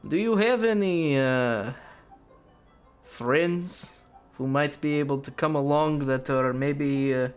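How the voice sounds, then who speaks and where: A man's voice: a little high, takes it slowly, clear, resonant tone, soft background music. A man playing a wry, hard-drinking Russian. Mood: sly.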